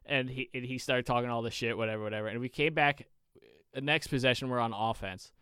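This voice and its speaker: A young man co-hosting a podcast, telling a long story in a casual, animated, profane way with many restarts. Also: medium pitch, fast talker, smooth, no room sound, studio quality. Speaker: podcast co-host.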